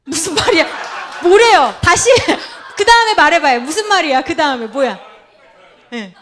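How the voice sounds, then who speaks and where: Animated, high-voiced woman pastor. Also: moderate pace, some chatter behind. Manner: playful, laughing often, quizzing the congregation by name. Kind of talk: lively interactive sermon with role-play. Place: church sanctuary.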